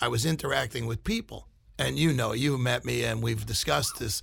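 This New Jersey accent comes through in a very clean recording with a silent background. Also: man. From New Jersey, Hudson County. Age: 50s. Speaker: entertainer and business owner. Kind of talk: interview.

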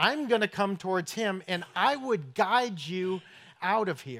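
A man speaks with a New England accent, his pitch high and his intonation lively, at a fairly slow pace. The recording is very clean, with a silent background. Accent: northern (New England). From southern New England (Somerset, Massachusetts). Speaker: pastor. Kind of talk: sermon.

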